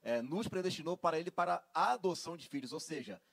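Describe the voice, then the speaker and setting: A man's voice: a little high, animated, fast talker, gravelly, fairly bright tone, dry recording. A Brazilian man teaching in a sermon, explaining step by step and checking in with tag questions. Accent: Brazilian Portuguese. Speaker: preacher.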